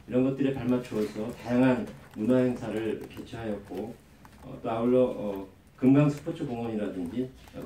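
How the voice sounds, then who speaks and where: A man with a head cold gives a formal, measured press briefing as a government official, reading out official plans. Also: fairly low pitch, dark tone. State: has a lingering cold. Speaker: government official, city bureau director. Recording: roomy distant microphone, faint background noise.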